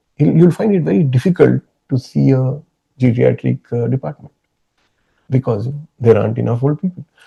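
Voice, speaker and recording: Somewhat breathy and dark, mellow in tone, a man at medium pitch speaks at a fairly quick pace with lively intonation and long, frequent pauses, the sound dry and close with no echo. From India, Hyderabad. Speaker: economist. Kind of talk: casual chat. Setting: dinner conversation.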